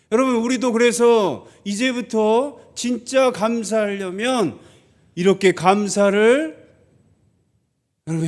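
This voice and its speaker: A male pastor delivers a sermon in a fairly high voice. He keeps posing rhetorical questions to the congregation. Now and then he slips into the whiny tones of complaining children to make his point. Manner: acts out quoted grumbling children in a higher voice.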